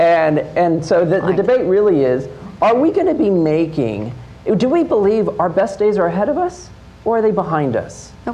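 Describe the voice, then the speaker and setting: Noticeable background noise sits behind a man with an American accent. His high-pitched voice makes very wide pitch swings. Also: moderate pace. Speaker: state legislator. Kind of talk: political discussion. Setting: stage with audience.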